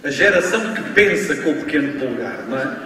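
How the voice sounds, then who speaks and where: A man from Portugal with a European Portuguese accent, giving a university lecture in a slow, emphatic way, often adding tag questions. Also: on the high side, animated, bright, forceful tone, a little hiss or hum. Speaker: guest lecturer. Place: large lecture hall. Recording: distant, echoey hall recording with faint ambience.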